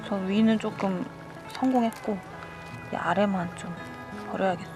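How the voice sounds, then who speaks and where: A woman's voice: mid-range voice, steady tone, moderate pace, loud music behind the voice. A woman chatting casually as a solo camping vlogger, half to herself and half to viewers, in an informal way. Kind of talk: casual vlog chat. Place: campsite, outdoors and in a tent.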